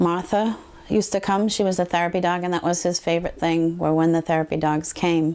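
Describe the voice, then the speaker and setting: Soft-spoken and monotone, a woman talks in a fairly low pitch with flat intonation. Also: fairly quick pace, very even loudness. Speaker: school volunteer with therapy dog. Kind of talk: interview.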